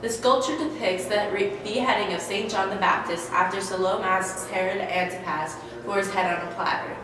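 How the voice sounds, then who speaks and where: A woman with a mid-range voice at normal speed plays the interviewer in a scripted mock interview, asking eager questions and reading narration. She's recorded from far off in an echoey hall, with noise.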